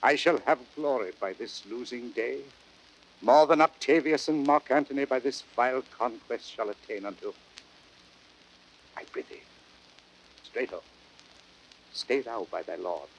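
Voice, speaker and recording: An actor playing a noble, grieving Roman commander, solemn and declamatory, in an old radio Shakespeare drama with hiss. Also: male voice, mid-range voice, lively intonation, a little slow, vocal fry, pauses often, rough recording. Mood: solemn resolve. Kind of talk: 1930s radio Shakespeare acting. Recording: hissy old radio broadcast recording.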